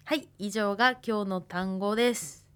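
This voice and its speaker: A woman's voice: mid-range voice, moderate pace, fairly bright tone, smooth. Woman in her twenties, radio language teacher, thinks aloud while explaining. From Hokkaido, Japan. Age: 20s. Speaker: language instructor.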